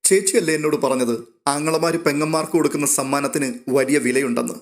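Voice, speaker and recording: A man voicing a kind, tearful young woman who gently comforts her family as she leaves. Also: a little high, fast talker, close to an everyday voice. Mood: tender. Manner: gentle, soothing, motherly.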